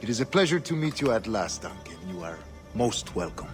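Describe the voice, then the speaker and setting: An actor playing a scheming older Templar governor, measured and solemn, often dropping to a hush. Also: male voice, fairly low pitch, big pitch swings. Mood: pleased. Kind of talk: video game cutscene acting. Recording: game audio over music.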